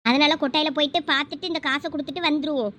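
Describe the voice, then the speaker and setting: A performer voicing a determined young village woman in a very high, quick cartoon voice with a Thoothukudi Tamil accent. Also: fairly even intonation, bright, forceful tone, a little hiss or hum. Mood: earnest.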